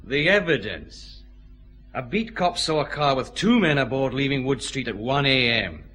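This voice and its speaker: An actor playing a firm, methodical police chief inspector, questioning a suspect in a vintage radio drama. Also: male voice, medium pitch, animated, a bit bright, a little hiss or hum, lightly acted. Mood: stern. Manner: brisk, methodical, dry authority.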